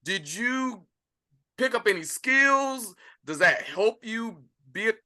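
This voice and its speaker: A man's voice: sits high, expressive, slow pace, sharp tone. A man hosting a podcast, asking loose, rambling questions in a casual interview chat. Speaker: podcast host.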